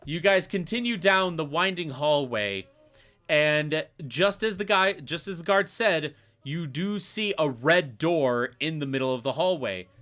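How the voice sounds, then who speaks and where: A man's voice: fairly high pitch, lively intonation, fairly bright tone. A man narrating as game master of a tabletop game, laid-back and full of "um"s. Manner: laid-back, with frequent "um" and quick chuckles.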